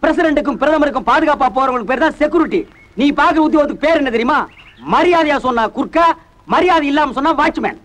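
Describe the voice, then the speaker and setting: A man's voice: extremely high pitch, fast talker, fairly bright tone. An actor playing a boastful, mocking man in a 1980s Tamil film comedy, firing insults and wordplay. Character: boastful, mocking man who claims to be a learned scholar. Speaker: comic visitor looking for a house.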